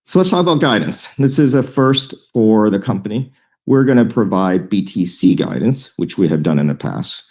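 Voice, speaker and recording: A man with a deep, dark-toned voice delivers an earnings presentation as a company executive. He speaks in a measured and deliberate way, often pausing to find the next phrase. The timbre stays relaxed and low. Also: husky. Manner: measured, deliberate, with frequent hesitant pauses.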